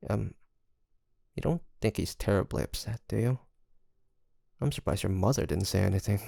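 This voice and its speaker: A performer playing a teasing, easily flustered pirate captain in an intimate ASMR roleplay, speaking haltingly with sighs and soft laughs. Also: low voice, creaky, dry recording, full character voice. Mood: resigned, soft.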